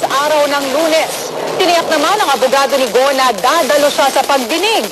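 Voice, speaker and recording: A woman's voice: high-pitched, very noisy. A woman with a Filipino accent anchoring a broadcast newscast in a projected reading style. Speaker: news anchor. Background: loud news theme music.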